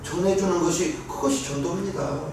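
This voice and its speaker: A high-voiced man preaching in a church. He rises to loud peaks, drops to near murmurs and keeps asking the congregation questions. The sound comes from across a very echoey hall with a faint hiss underneath. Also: brisk, recorded from a distance. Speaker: pastor. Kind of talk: sermon. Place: church sanctuary.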